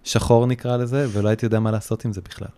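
A man in his thirties or forties, a podcast guest, talking casually and haltingly with many restarts. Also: lowish voice, flat delivery, a crowd in the background. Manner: hesitant, many restarts and fillers. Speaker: guest, surfboard repairer.

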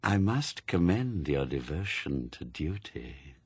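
A man voicing Death, a grave skeletal male reaper who speaks slowly and solemnly in a hollow, quiet voice. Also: extremely low pitch, big pitch swings, husky, no room sound, pitched below the performer's own voice, full character voice.

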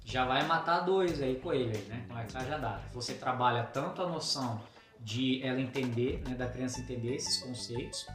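A man's voice: medium pitch, reverberant. A man who explains reading methods step by step in a casual teaching tone, often checking that the listener follows. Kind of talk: casual instructional talk.

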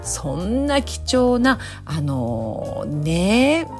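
A woman with a hoarse, raspy voice, chatting casually and politely on her own as the host of a talk show. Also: medium pitch, sing-song, extremely slow, soft background music. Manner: polite, chatty, frequent softening particles. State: hoarse, raspy voice from drinking the night before. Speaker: host of a snack-bar themed talk show. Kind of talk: casual solo chat monologue.

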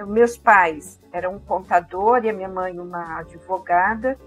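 An older woman with a caipira accent from interior São Paulo speaks reflectively about herself in conversation, pausing thoughtfully to search for her words. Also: fairly low pitch, lo-fi sound, soft background music. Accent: caipira accent of interior São Paulo, with a strong R. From interior of São Paulo state, Brazil. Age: 50s or older. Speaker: interview guest.

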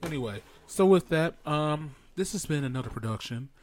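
A man's voice: expressive, moderate pace, a little mellow, a little hiss or hum. Joking, chatty man hosting a podcast. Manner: joking, playful, sings snatches in falsetto. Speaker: podcast host. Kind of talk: casual chat.

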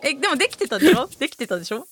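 A woman hosting a podcast in casual chat, chatty and quick to laugh, with lots of back-channel replies. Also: sits high, big pitch swings, a bit bright, soft background music. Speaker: podcast host.

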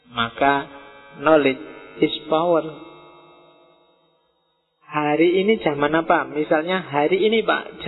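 A middle-aged man giving a relaxed, conversational philosophy lecture to students and slipping into Javanese words. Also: on the high side. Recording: tinny phone-like audio in a reverberant hall.

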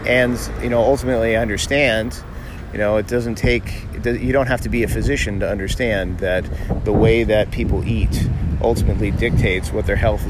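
A middle-aged American man from Miami hosting a casual, conversational podcast monologue outdoors. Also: medium pitch. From Miami, United States. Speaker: podcast host, doctor. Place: outdoors by a busy city street. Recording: outdoor street noise, passing cars. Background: traffic and urban ambience.

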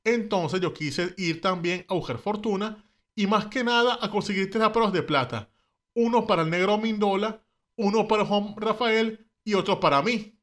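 A man with a Venezuelan accent voicing a rough-spoken, plain-talking independence-era soldier in lower tones. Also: moderate pace, a bit bright. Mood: plainspoken. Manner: colloquial, blunt storytelling.

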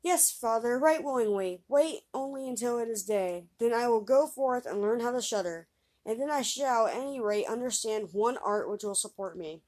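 A woman's voice: a little high, expressive, moderate pace, darkish tone. A woman voicing a fearless, simple-minded young man who talks bluntly and earnestly.

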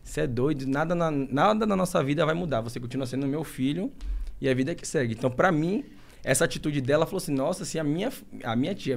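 A young man from Brazil, a guest in an interview, telling a personal story in an emotional, halting way with many restarts. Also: mid-range voice, creaky, a little mellow.

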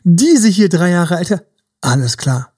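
A man's voice: sits high, big pitch swings, takes it slowly, darkish tone, husky. A man, a dating coach, musing in a casual podcast chat and acting out advice to his younger self, now and then dropping into a whisper and slipping in English words. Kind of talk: casual reflective podcast talk.

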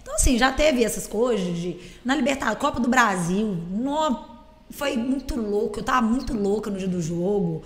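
A woman, a teacher and football fan, telling stories in a casual chat, animated and swearing freely. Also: a little high, moderate pace. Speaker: guest. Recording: hall reverb.

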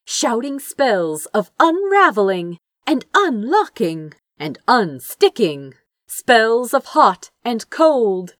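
A woman's voice: on the high side, very animated, slow, a bit bright, no echo, studio quality. A woman reading a fantasy story aloud as narrator, with theatrical, suspenseful delivery. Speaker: fan fiction narrator.

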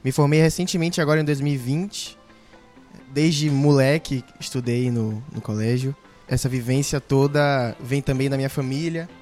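A young man, talking in a relaxed, slangy way as a podcast guest. His voice sits at a middle pitch, with faint music behind him. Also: normal speed. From Salvador, Brazil. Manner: casual and slangy.

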